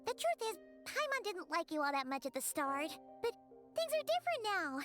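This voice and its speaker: A woman's voice: very high voice, sing-song, normal speed, a bit bright, full character voice. A woman voicing a tiny, chatty, cheeky fairy companion in a video game, exclaiming and talking of herself in the third person. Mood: sheepish, friendly. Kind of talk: video game character voice acting. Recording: light music behind the voice.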